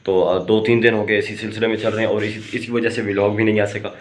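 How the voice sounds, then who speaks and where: Hoarse man chatting to camera. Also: on the low side, flat delivery, fast talker. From Pakistan. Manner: chatty, rambling, with many fillers and restarts. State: hoarse from a sore throat. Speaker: vlogger. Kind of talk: casual vlog talk to camera.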